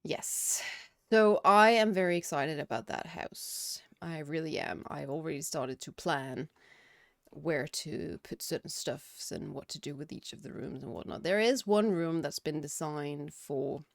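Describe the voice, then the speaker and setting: A woman's voice: sits low, expressive, measured pace, creaky, no echo, clean studio sound. A woman with a Danish accent, a game streamer chatting casually at her home computer and answering chat. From Denmark. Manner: chatty, reads out chat questions and answers them. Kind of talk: casual chat while gaming. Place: home room, windows and curtains.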